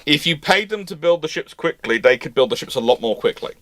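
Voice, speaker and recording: A man's voice: a little high, animated, fairly quick, a bit bright, no echo. A man hosting a live naval history Q&A, explaining at length with many fillers and restarts. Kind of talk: live Q&A chat.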